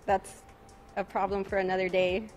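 A tired woman attorney in her forties speaks calmly into a cluster of press microphones outside at night. Her pitch sits in the middle of the range, with faint noise behind her. She restates each question before answering it. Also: moderate pace. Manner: calm, repeats reporters' questions before answering. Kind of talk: press conference statement. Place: outdoors at night in a city. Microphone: bank of press microphones.

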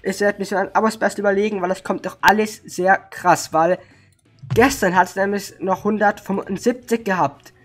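A man with a hoarse voice speaks casually to his viewers as a streamer. He sounds excited and overwhelmed and repeats words for emphasis. Faint music plays behind him. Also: high-pitched, normal speed. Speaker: streamer and gaming video creator. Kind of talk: casual spoken update to viewers.

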